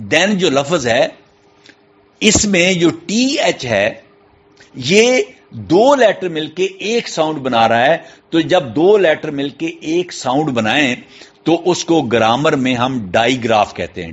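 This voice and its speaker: A male teacher with a Pakistani Urdu accent explains English spelling patterns, slowly spelling out each word letter by letter and repeating the main point. His voice sits somewhat high for a man. The recording is dull and muffled, with a lo-fi sound. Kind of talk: classroom lesson explanation.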